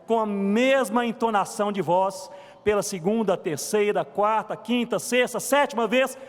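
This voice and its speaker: A man preaching a sermon to his congregation, telling a story and swinging between soft and emphatic delivery. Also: sits high, normal speed, big-room sound. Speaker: pastor. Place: church sanctuary.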